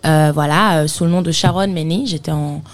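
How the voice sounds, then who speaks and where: A woman's voice: deep voice, steady tone, brisk. A woman with a slight accent, a singer guest on radio, speaking hesitantly with many fillers. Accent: slight foreign accent. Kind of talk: radio interview.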